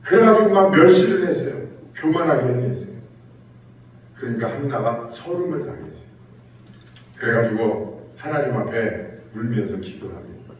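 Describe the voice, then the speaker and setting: A man's voice: medium pitch, very animated, normal speed, a little mellow, lo-fi sound, a little hiss or hum. A male pastor giving a Sunday sermon in a church sanctuary, telling stories and acting out quotes with rising and falling emphasis. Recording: echoey church hall, distant mic.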